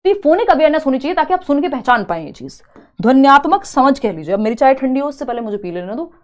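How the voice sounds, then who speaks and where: A young woman teaching a live online exam-prep class, chatty and teasing, slowly spelling out word examples. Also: sits high, big pitch swings, a little mellow. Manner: chatty, teasing students between explanations.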